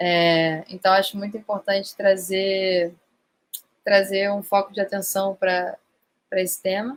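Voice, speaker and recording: The delivery is fairly slow, with long, frequent pauses. Intonation stays monotone and flat. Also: woman, medium pitch for a woman. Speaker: curator and photographer moderating panel. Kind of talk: panel discussion. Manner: halting with fillers.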